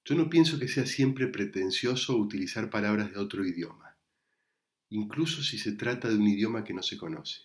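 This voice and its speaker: A man with an Argentine Spanish accent, a psychoanalyst giving a prepared talk recorded remotely in a measured, reflective way. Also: lowish voice. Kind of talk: prepared lecture read to camera. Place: recorded remotely, not in the event hall.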